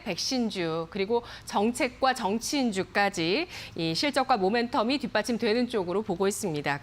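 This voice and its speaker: A woman anchoring a financial news program, summarizing and posing questions in a polished way. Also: on the high side.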